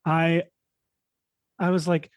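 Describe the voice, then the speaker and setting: A man's voice: a little high, little pitch movement, slow pace, clear, resonant tone, no room sound, clean studio sound. A younger adult man, a filmmaker guest, chatting enthusiastically and rambling with lots of fillers. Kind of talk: casual interview chat.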